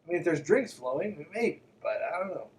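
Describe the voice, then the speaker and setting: A man's voice: a little high, very animated, fairly quick, recorded from a distance. A man hosting a podcast, reading aloud and breaking in with mocking, irreverent, conversational asides. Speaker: podcast host.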